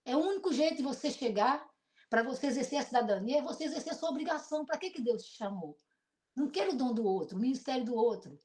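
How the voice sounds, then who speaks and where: A middle-aged woman pastor with a Brazilian accent and a deep voice, preaching an emotional sermon built on personal testimony. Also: quick pace. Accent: Brazilian Portuguese. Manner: emotional, animated storytelling with shifts between loud and soft.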